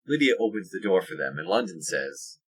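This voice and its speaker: Low, husky male story narrator. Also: big pitch swings, brisk. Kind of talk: scripted audio drama narration.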